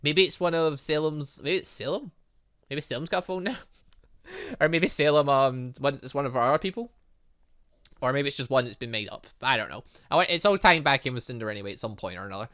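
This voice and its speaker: A man commentating on a game as its host, excitable and rambling, thinking aloud with frequent asides and exclamations. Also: medium pitch, fairly quick, dry recording, clean studio sound. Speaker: gaming channel host. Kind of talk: let's-play commentary, reading game dialogue aloud.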